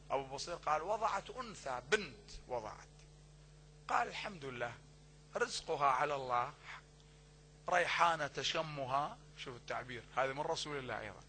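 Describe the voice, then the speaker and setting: A man preaching a sermon with emphatic bursts that drop to low asides, addressing listeners fondly and acting out quoted dialogue. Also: pushed and bright, slight background noise.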